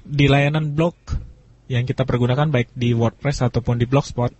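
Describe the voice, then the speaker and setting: A man's voice: mid-range voice, fairly even intonation, moderate pace. A man hosting a casual talk radio show, answering listeners and repeating phrases for emphasis, on a lo-fi streaming broadcast. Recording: dull, lo-fi streaming radio with loud noise.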